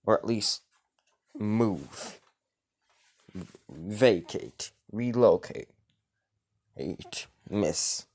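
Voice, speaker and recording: Knight king, polite and composed, slow delivery; male narrator voicing him. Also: on the low side, lively intonation, a little mellow, exaggerated voice. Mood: calmly formal. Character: legendary knight king, male, calm, honorable.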